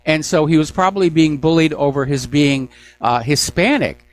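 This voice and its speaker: Man hosting call-in radio, brisk and businesslike. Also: on the high side. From New Hampshire. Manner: brisk, moves callers along with frequent "uh" fillers. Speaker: radio talk show host.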